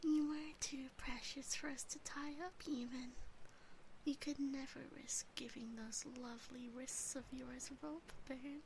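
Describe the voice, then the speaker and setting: A woman voicing a cute, fretful, adoring yandere demon sister in a soft, sweet, mostly whispered ASMR roleplay, close on a binaural microphone. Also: high voice, steady tone, unhurried, a little hiss or hum, rough recording.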